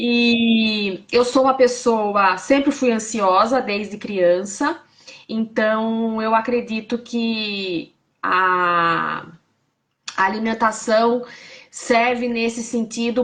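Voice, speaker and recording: A woman talks with a fairly high pitch and ordinary pitch variation. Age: 40s. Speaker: weight-loss client. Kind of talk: interview. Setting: online live stream.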